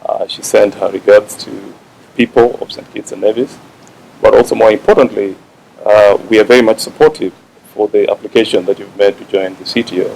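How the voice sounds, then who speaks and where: A man from a regional telecom body giving a formal speech, halting with fillers. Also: lowish voice, steady tone, gravelly, a little mellow, rough recording. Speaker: visiting official from a regional telecom organisation.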